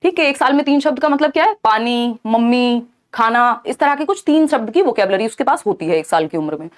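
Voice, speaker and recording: High-voiced woman teaching an exam class. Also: lively intonation, fast. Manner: explanatory, checks in often with "thik hai". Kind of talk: online lecture.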